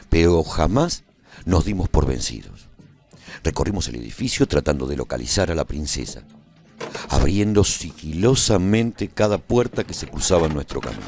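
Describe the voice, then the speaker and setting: A man's voice: low-pitched, a little mellow. A man playing a battle-seasoned adventurer, narrating his story in a scripted, dramatic first-person radio serial style.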